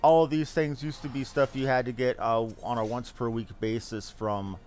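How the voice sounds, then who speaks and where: A man's voice: mid-range voice, fairly even intonation, moderate pace, a little mellow, a little hiss or hum. A man giving casual, rambling gameplay commentary as a streamer, thinking aloud as he goes. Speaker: game streamer. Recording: game music behind voice. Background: video game music.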